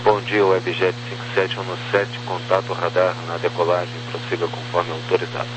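A man's voice: deep voice, monotone, moderate pace. A man with a Brazilian accent working as an air traffic controller, speaking formally and concisely over crackly radio. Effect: crackly aviation radio. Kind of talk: procedural radio instructions. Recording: humming, noisy radio transmission.

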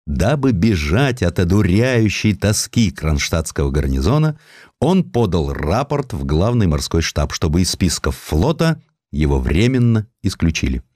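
Male narrator for historical prose: low voice, highly varied intonation, theatrical storytelling, close dry studio sound. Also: big pitch swings, measured pace, darkish tone, no room sound. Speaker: audiobook narrator. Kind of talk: dramatized literary narration of a historical sketch.

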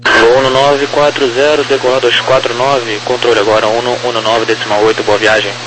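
Crackly aviation radio, man, tower controller, procedural clipped delivery, digit-by-digit numbers, clear static. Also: mid-range voice, level tone, a little fast. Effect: crackly radio transmission. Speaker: air traffic tower controller.

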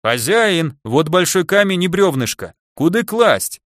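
A man's voice: high voice, sing-song, a little slow, a bit bright, dry recording, clean studio sound, pitched above the performer's own voice, heavily acted. A man voicing a huge, simple-minded male half-orc laborer who bellows his questions in an audiobook. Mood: eager. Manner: bellowing, dim-witted.

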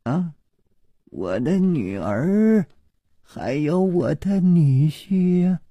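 A man's voice: a little high, sing-song, extremely slow, mellow, husky, dry recording, muffled recording, voice pushed up, full character voice. A man voicing a fretful white-haired old servant woman, breathless and fussing. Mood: flustered.

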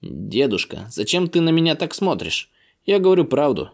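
A man voicing a calm, stubborn young man who gives firm, brief answers in an audiobook. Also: a little high, normal speed, vocal fry, voice pushed up, exaggerated voice. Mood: insistent.

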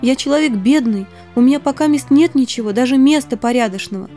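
A woman's voice: high voice, quick pace, warm tone, soft background music, voice pushed up, lightly acted. A woman voicing a poor, sincere young man making earnest promises in an audiobook. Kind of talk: audiobook reading.

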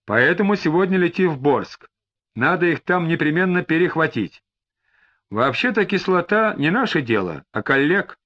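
A man voicing a stern senior police chief who gives brisk orders. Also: on the high side, big pitch swings. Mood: firm. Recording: slightly dull lo-fi recording.

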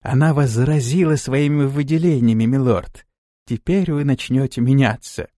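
A man voicing a dutiful female servant in an audiobook, speaking in a quiet, lifeless, slow voice. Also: mid-range voice, no room sound, studio quality, natural voice. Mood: solemn.

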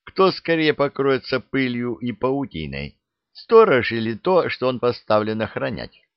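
A man's voice: mid-range voice, sing-song, a little slow, clear, resonant tone, no room sound, dull audio, voice pushed up. A man reading the part of an older veteran soldier with a dry, blunt, self-deprecating way of talking. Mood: wry. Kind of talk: audiobook character reading.

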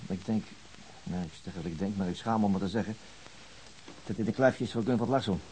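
A man's voice: on the low side, fairly quick, a little mellow, slight background noise, close to an everyday voice, low-quality recording. An actor playing a dry, impatient male police detective in a radio drama, wry and terse. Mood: wryly scheming.

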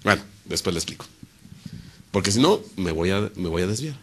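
A man preaching a sermon. He asks rhetorical questions and answers them himself, and he swings between loud emphasis and quiet, low asides. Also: sing-song, fairly quick, a little hiss or hum.

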